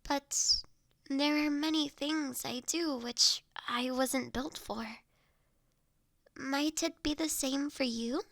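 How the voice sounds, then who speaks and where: A woman performs a courteous, gentle lady in an intimate audio drama. Her voice sits high and she takes her time, with formal phrasing and soft, hesitant pauses. The sound is dry, with no room around it. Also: fairly even intonation, no echo, heavily acted. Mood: earnest, gently teasing. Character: polite, gentle human woman seeking to adopt an automaton. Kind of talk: scripted audio roleplay, intimate and conversational.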